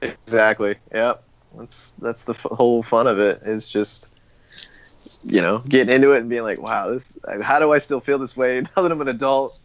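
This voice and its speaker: A man's voice: medium pitch, normal speed, no echo. A man speaking casually as a podcast guest, on a dull, lo-fi recording. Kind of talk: casual chat. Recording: dull, lo-fi voice connection.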